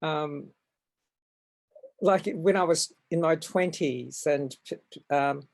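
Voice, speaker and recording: A man in his seventies from Far North Queensland with an Australian accent, telling stories from his life in a hesitant, halting way over a video call from home. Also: on the high side, vocal fry. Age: 70s. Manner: hesitant, halting, with frequent ums and restarts. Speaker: guest artist. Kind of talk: reflective storytelling in an interview.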